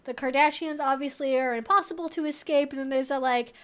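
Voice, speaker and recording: A woman's voice: high voice, steady tone, a little fast, a bit bright. A woman livestream host chatting casually, in a rambling, informal way peppered with "like". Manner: rambling, informal, frequent "like" and swearing.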